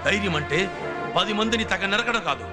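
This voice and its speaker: A man's voice: high-pitched, animated, a little fast. An actor playing an emotional reformed gang elder and bereaved father in a film drama, speaking in an impassioned, dramatic way. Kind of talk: Telugu action film drama acting. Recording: film soundtrack with music behind.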